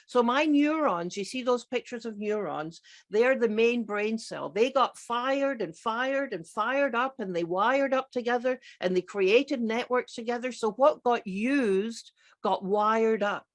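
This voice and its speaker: A woman's voice: on the high side, unhurried. A middle-aged woman with a Scottish accent, giving an emphatic, enthusiastic conference talk as a psychiatrist who repeats her key words. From grew up partly in Scotland. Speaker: psychiatrist and keynote speaker. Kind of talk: conference presentation.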